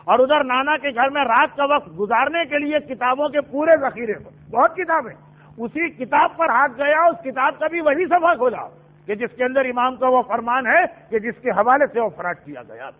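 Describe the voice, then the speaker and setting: Man preaching, very high voice, storytelling, dramatic pauses, thin phone-line sound. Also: animated. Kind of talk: sermon.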